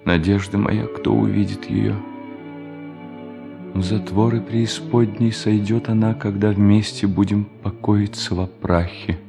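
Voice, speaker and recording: An actor playing a tormented, self-loathing hermit preacher in a radio drama, declaiming theatrically and repeating words for emphasis. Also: male voice, on the low side, fairly even intonation, unhurried, creaky. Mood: gloomy, brooding. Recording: music behind the voice.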